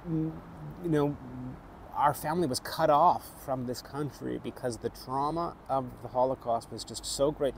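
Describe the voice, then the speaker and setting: A middle-aged actor with a North American accent talks through his life at an unhurried, reflective pace, pausing and restarting often. His voice sits at an ordinary pitch for a man. Faint outdoor city noise with passing vehicles hums behind him. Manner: thoughtful, halting, with frequent restarts. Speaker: actor and theatre maker. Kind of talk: reflective personal vlog.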